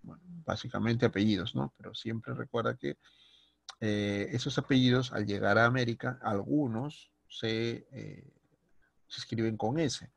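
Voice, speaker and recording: In a recorded online spelling lesson, a man with a Latin American Spanish accent reads out example words slowly, stressing their sounds, and checks in with his class often. His voice is mid-range and creaky, with no echo.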